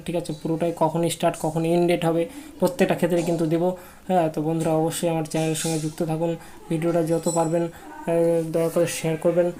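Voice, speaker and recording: A presenter with a West Bengal accent giving an informal update to viewers as a channel host, halting and repetitive like someone new to presenting. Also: medium pitch, warm tone, a little hiss or hum.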